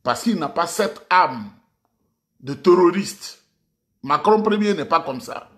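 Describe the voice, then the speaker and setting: A man's voice: high voice, expressive, slow. A man from Côte d'Ivoire with an Ivorian French accent, giving an emphatic political monologue straight to his audience and repeating his points. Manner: emphatic, repetitive, addresses the audience directly. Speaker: political commentator.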